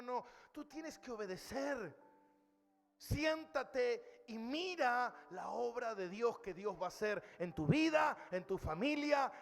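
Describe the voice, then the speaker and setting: A man's voice: extremely high pitch, creaky, in a large hall. A male pastor preaching a sermon, emphatic, calling his listeners brother. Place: church hall.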